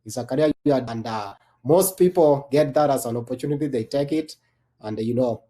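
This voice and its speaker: Panel guest, Kenyan-born male veteran; dark tone, loose delivery full of restarts. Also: mid-range voice, fairly quick. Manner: rambling, many restarts and fillers. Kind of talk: panel discussion.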